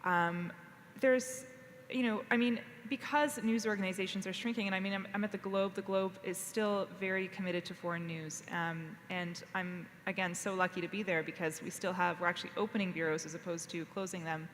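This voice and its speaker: A woman's voice: lowish voice, fairly even intonation, brisk, fairly bright tone. A woman journalist on a discussion panel, talking in loose, rambling sentences full of fillers and restarts. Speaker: panelist, foreign correspondent. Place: conference hall panel. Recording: reverberant hall, faint noise.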